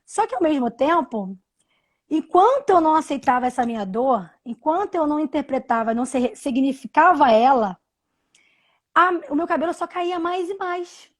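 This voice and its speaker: A woman in her thirties telling a personal story on a live video call, halting, with many restarts and repeated words. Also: high voice, animated. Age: 30s. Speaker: interview guest. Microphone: video call from home.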